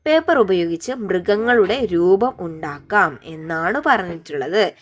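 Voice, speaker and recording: A woman teacher giving a gentle primary school lesson, coaxing young children with questions. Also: on the low side, animated, a little slow.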